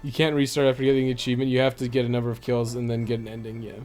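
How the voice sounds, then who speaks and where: A man's voice: medium pitch, level tone, racing, darkish tone, faint music behind. Offhand Canadian man, live streaming. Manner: offhand, irreverent, sweary. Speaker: video game live streamer. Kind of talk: casual rambling stream chat.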